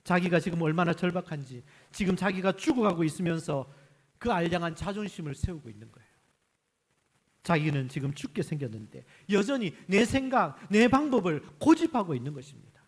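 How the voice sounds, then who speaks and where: A man's voice: high voice, expressive, a little fast, slightly rough, big-room sound. A male senior pastor preaching a Sunday sermon in a church, emphatic and full of rhetorical questions to the congregation. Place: church sanctuary.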